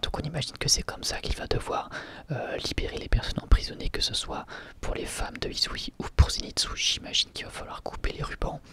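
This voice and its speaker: A man whispering an ASMR review in French, hesitant and thinking aloud as he goes. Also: fairly quick. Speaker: host reviewing an anime episode.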